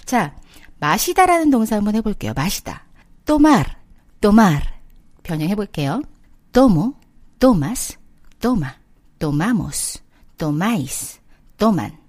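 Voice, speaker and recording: A woman teaching a language lesson, patiently drilling verb forms and repeating them slowly for listeners. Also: mid-range voice, big pitch swings, a little mellow.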